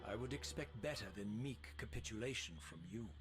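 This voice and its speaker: An actor playing a brooding, proud undead avenger in a video game, with formal, measured, theatrical delivery. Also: male voice, medium pitch, over music, lightly acted. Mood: guarded, defiant. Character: brooding, proud undead male spirit of vengeance. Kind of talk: video game cutscene acting and narration.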